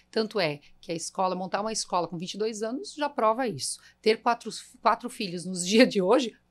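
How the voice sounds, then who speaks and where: This woman's voice sits fairly high, with ordinary pitch variation. The recording is very clean, with a silent background. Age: 40s. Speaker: entrepreneur, school founder. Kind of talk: interview. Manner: animated.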